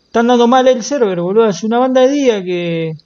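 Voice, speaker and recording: A man with an Argentine accent streaming a roleplay game, swearing constantly and breaking into loud wails. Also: very high voice, fairly quick, highs cut off. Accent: Rioplatense Argentine. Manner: profane, excitable, bursts into loud wailing. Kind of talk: casual gaming chat.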